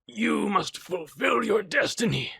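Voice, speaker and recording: A man voicing a dying old sword master who speaks solemnly and gently to his pupil. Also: high voice, lively intonation, a little slow, gravelly, husky, voice pushed up, heavily acted.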